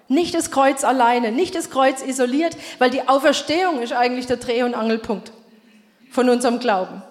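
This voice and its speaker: A woman's voice: high voice, big-room sound. A woman preaching a sermon to her congregation, speaking emphatically and putting questions to her listeners. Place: church.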